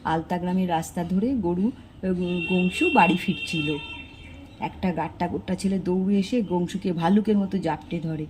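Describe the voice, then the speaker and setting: A woman's voice: moderate pace, background noise. An older woman narrating a homely village story, briefly lifting her voice for the characters' lines. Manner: homely storytelling, doing character lines with small pitch lifts.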